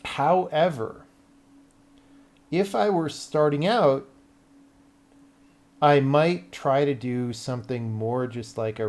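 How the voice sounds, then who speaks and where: A man's voice: mid-range voice, a little mellow. An American man talking casually on a livestream as a game developer, blunt and sweary, thinking aloud as he explains things to viewers.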